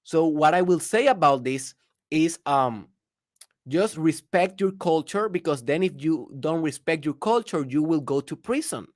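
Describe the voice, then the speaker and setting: A man's voice: a little high, lively intonation, a little slow, darkish tone, dry recording, studio quality. A man from Puerto Rico with a Spanish accent, a native Spanish speaker, hosting a reflective podcast monologue in an earnest, repetitive, lecturing way. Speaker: podcast host.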